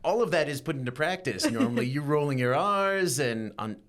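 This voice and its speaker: A man's voice: fairly high pitch, animated, fairly quick, a bit bright. A man hosting a news talk segment, joking and laughing often. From Idaho, USA. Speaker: news show host. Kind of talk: playful studio chat.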